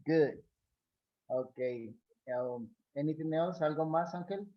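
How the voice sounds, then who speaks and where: Mexican man, class host on a video call, slightly high voice, halting with fillers, muffled audio. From Mexico City. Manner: hesitant, many fillers. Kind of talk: bilingual class chat.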